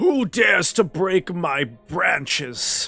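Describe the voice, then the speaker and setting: A man uses a put-on character voice at a high pitch and a very slow pace. Faint music plays in the background. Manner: commanding, angry.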